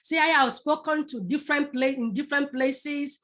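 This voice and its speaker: A middle-aged woman from Nigeria with a Yoruba accent leads a public speaking masterclass, talking straight to her audience. Her voice sits high, and she stresses her points by repeating words several times over. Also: fairly even intonation, normal speed, a bit bright. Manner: repeats words for emphasis, addresses the audience directly. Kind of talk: live online masterclass.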